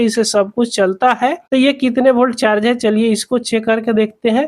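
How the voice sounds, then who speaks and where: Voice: medium pitch, a little mellow. A person explaining a repair step by step in an instructional, repetitive way, as the host of a tutorial.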